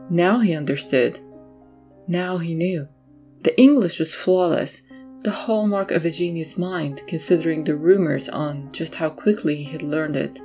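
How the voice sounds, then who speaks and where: Mellow, low-voiced woman narrator. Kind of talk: scripted dramatic narration.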